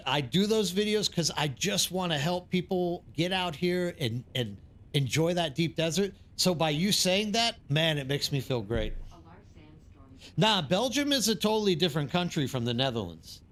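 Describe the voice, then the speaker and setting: Chatty American man, slightly high voice. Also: a bit bright. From East Texas, United States. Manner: chatty, rambling, informal. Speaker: live streamer. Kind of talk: casual chat with livestream viewers while gaming.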